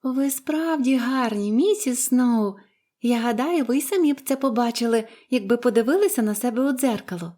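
A bubbly, talkative little orphan girl who gushes eagerly, pitched well above an ordinary grown-up voice, as a woman reads her aloud. She is from a storybook. Her voice is high and bright, bouncing along with delight. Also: lively intonation, normal speed. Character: cheerful chatty young orphan girl.

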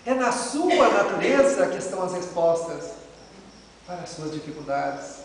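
A man's voice: sits high, sing-song, normal speed. A middle-aged Brazilian man giving a religious lecture in a dramatic, emphatic, rhetorical manner. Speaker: lecturer at a Spiritist center. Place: indoor lecture room with a chalkboard. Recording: very echoey, noisy hall, distant mic.

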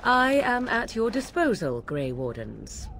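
Haughty, expressive young witch. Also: fairly high pitch, a little slow, slight background noise, full character voice. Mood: coolly sarcastic. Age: young adult. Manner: arch, formal, drily sarcastic. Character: haughty, sarcastic young witch, reluctant daughter. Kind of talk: fantasy game dialogue.

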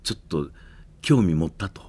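A man's voice: sits low, expressive, normal speed, darkish tone, husky. A man with a Kansai accent hosting a radio show in casual chat.

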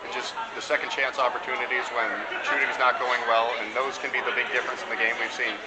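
A man's voice: mid-range voice, level tone, fast talker. A young man running a postgame interview with players in a school gym, upbeat and asking with fillers. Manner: upbeat, leading questions with fillers. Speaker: student sports broadcaster interviewing players. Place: school gym after a game. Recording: loud crowd and gym noise behind.

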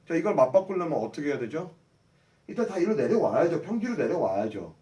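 A man's voice: medium pitch, darkish tone. A middle-aged man teaching English phrases to a class, drilling them and having the group repeat. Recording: roomy echo, mic at a distance.

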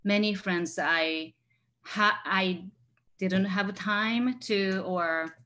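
Young woman, halting english full of fillers, on a video call. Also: mid-range voice, sharp tone. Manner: hesitant, many fillers. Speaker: guest set designer. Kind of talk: casual chat on video call. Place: home room.

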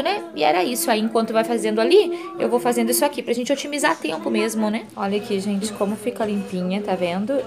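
A woman talks chattily into a handheld phone as she cooks. Her voice sits at a middle pitch and she keeps tagging questions onto what she says. Loud household noise fills the kitchen behind her. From southern Brazil. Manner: chatty, affectionate diminutives, frequent tag questions. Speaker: home vlogger. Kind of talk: casual vlog narration while cooking and cleaning. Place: home kitchen, indoors. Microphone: handheld phone camera.

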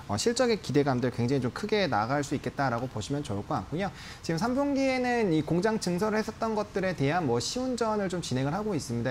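On a TV show, a stock market analyst in his thirties delivers live commentary from the studio, speaking through a lapel mic in a somewhat high voice. His explanations are polite and formal, with a faint background noise.

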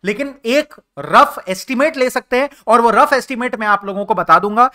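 Young Indian male tutor, casual lecture style, bright tone, code-switches constantly. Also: very high-pitched, moderate pace. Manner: chatty, mixes Hindi and English, calls listeners brother. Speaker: teacher. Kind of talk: exam revision lecture.

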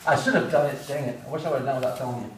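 A man's voice: mid-range voice, racing, fairly bright tone, slight background noise. A middle-aged man teaching at a whiteboard through a face mask, casual and self-deprecating, quizzing his students as he goes. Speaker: respiratory therapy instructor. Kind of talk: classroom whiteboard lecture. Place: large classroom with whiteboard. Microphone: far camera. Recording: echoey room from far off.

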